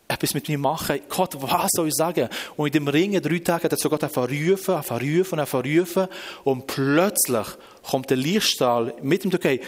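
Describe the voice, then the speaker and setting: A man delivers a sermon with a slightly raised pitch. He tells his stories emphatically and drops his voice low and quiet for the dramatic moments. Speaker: preacher.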